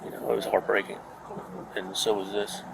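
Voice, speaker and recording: Gravelly, subdued man. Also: fairly low pitch, level tone, normal speed, background noise. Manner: subdued, hesitant. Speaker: husband speaking to police.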